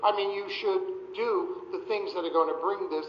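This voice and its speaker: Firm man chairing in a reverberant hall. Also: sits high. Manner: measured, firm, advisory. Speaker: presiding board official. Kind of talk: meeting chairing. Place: town hall meeting room. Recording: echoey hall, muffled, faint noise.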